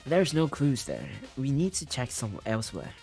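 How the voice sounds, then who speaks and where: A man's voice: medium pitch, darkish tone. A man streaming a story game, reading its text aloud and chatting with viewers with frequent giggles. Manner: giggly, chatty, reacting to chat.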